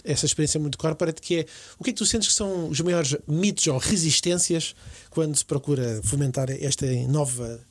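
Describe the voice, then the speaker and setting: Higher-pitched, fast Portuguese male interviewer. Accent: European Portuguese. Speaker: podcast co-host, interviewer. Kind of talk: conversational interviewing.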